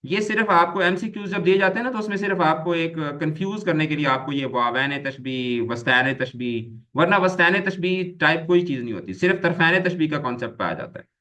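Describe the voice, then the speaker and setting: A man's voice: fairly high pitch, a little fast, hardly any pauses, bright, forceful tone. A man teaching an online grammar lecture, explaining patiently, repeating key terms and mixing English words into his explanations.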